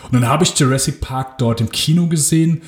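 A man's voice: medium pitch, fairly quick. A man in his thirties co-hosting a casual film podcast, rambling with many fillers and restarts. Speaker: podcast co-host. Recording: roomy echo.

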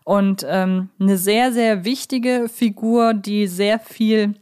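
A woman's voice: mid-range voice, fairly even intonation, slow pace, darkish tone, smooth. A woman co-hosting a casual discussion, speaking tentatively and often checking for confirmation. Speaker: podcast co-host.

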